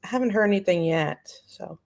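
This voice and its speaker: A woman's voice: medium pitch, animated, fairly quick, a crowd in the background. A woman hosting a live stream in casual reaction chat, informal and slangy, often saying y'all. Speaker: live-stream host and commentator.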